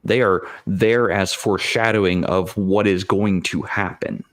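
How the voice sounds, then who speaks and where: A man in a casual gaming discussion, explaining his ideas in halting, thoughtful phrases. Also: deep voice, fairly even intonation, no echo. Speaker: tabletop gaming show host.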